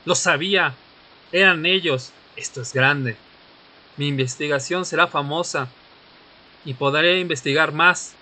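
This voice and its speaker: Man acting a bright-voiced, brooding vampire. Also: a little high. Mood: excited. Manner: solemn, deliberate storytelling in short phrases. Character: brooding male vampire, former history student, seeking answers. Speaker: narrator and lead actor. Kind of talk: audio drama narration and dialogue. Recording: music bed under the voice.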